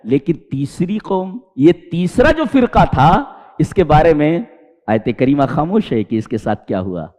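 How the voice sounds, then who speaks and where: A man preaches Quranic commentary in a high, animated voice that leaps up to loud emphatic peaks and drops to quiet low asides. He recites Arabic verses and retells stories with acted quoted speech. His voice rings with the long reverb of a hall. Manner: recites Arabic verses, then explains them. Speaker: Islamic preacher.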